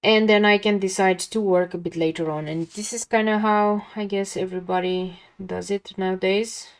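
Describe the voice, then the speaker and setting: A young woman with a calming voice chatting casually with viewers while she draws on a livestream. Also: mid-range voice, moderate pace, clean tone. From lives near a big Dutch city. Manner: chatty, talks to chat viewers, laughs often. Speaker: art livestream host. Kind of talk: casual chat while drawing.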